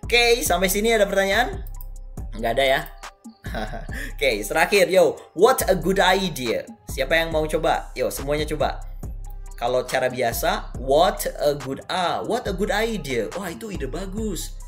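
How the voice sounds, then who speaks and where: A man's voice: a little high, big pitch swings, unhurried, fairly bright tone, soft background music. A male English teacher giving an upbeat pronunciation lesson, coaxing students and drilling phrases for them to repeat.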